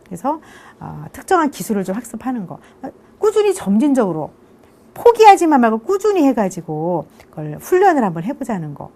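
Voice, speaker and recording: Middle-aged woman lecturer, mellow tone, very animated intonation, chatty, keeps checking for agreement. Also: on the high side, brisk. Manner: conversational, keeps asking "그죠?" for agreement; rhetorical questions, answers them herself. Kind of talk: online university lecture.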